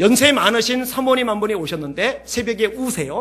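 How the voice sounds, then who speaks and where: A man's voice at a moderate pace, with audible room echo. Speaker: pastor. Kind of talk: sermon. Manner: animated.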